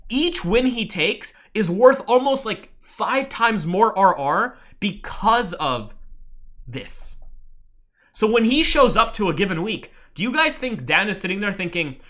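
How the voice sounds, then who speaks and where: Excitable trading mentor with a lively voice. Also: medium pitch, unhurried. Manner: excitable, bursts into loud exclamations, swears often. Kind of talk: live webinar teaching.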